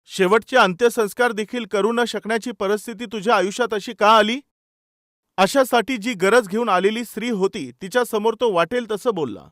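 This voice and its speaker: A man's voice: high voice, normal speed, a bit bright, no echo, studio quality. A man preaching a sermon with stories. He is emphatic, asks his listeners rhetorical questions and acts out the dialogue. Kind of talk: sermon with storytelling.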